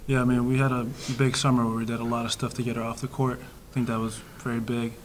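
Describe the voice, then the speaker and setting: A man's voice: mid-range voice, little pitch movement, fast talker, slight background noise. A young man in his twenties, a college basketball player at a post-game press conference, talking casually with many fillers like "like". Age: 20s. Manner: casual, lots of "like", upbeat. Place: press room before a sponsor backdrop. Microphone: table mic in front of him.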